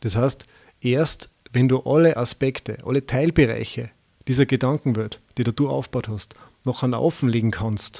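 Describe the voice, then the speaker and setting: A dark, mellow tone at a moderate pace, with a quiet background. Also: man. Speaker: metal band member; interviewee. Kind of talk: TV interview. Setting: TV studio. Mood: earnest, reflective. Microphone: handheld.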